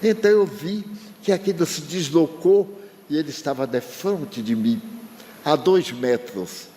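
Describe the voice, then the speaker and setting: A man's voice: a little high, unhurried, warm tone. An older Brazilian man giving a spiritist talk, telling a personal story with emotion and acting out his father's words to the audience. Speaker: spiritist speaker. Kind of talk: storytelling lecture. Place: large lecture hall. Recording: long reverb from a hall, faint noise.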